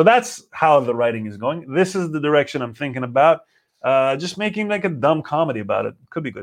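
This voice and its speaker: With an Israeli accent, a man talks at a fairly quick pace in a fairly high voice, his pitch swinging very widely and his loudness rising and falling sharply. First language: Hebrew. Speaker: comedian. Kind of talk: casual chat. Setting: live stream.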